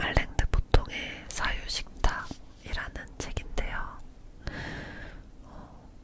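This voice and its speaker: Whispering at a very slow pace with long, frequent pauses, set against noticeable background noise. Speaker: ASMR creator. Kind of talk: book reading ASMR. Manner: whispered.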